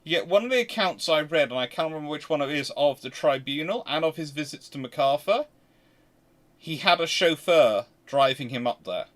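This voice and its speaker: A man's voice: on the high side, expressive, normal speed, a bit bright. A man hosting an unscripted history discussion, talking emphatically and rambling, often restarting his sentences mid-thought. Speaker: host and naval historian.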